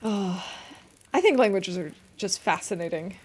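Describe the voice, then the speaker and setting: A woman's voice: mid-range voice, animated, normal speed, breathy edge. A woman streaming a game, chatting casually and thinking aloud with frequent fillers. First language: English. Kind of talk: casual gaming stream chat.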